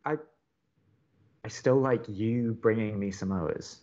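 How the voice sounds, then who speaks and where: A man playing a conciliatory young college radio co-host in an audio drama, placating and a little hesitant, expressive when reading aloud. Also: fairly low pitch, slow pace, muffled recording.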